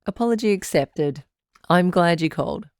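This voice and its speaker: A woman playing a calm, caring radio advice doctor who hosts a call-in show in a measured, reassuring way. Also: lowish voice, dry recording, clean studio sound.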